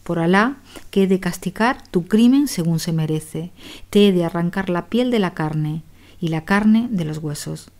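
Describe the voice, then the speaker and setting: A woman's voice: on the low side, lively intonation, a little slow, darkish tone. A woman voicing an older merchant who curses and threatens his slave in an audiobook tale. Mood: furious. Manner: cursing, threatening. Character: furious rich merchant master, older man.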